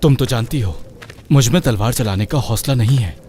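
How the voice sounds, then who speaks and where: A man's voice: medium pitch, brisk, mellow, slight background noise, lightly acted. A man voicing a boastful but cowardly young suitor with a pleading, wheedling manner.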